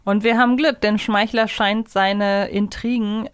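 A woman's voice: medium pitch, steady tone, measured pace, smooth, no echo. A woman co-hosting a fan podcast, chatting casually into a close microphone. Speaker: podcast co-host.

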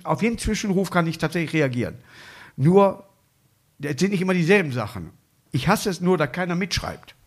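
Man in his 50s hosting a chat, kinda high voice, jokey, lots of "ne?". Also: slightly rough. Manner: animated, jokey, many fillers like "ne?". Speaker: podcast host and comedian. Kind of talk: casual chat.

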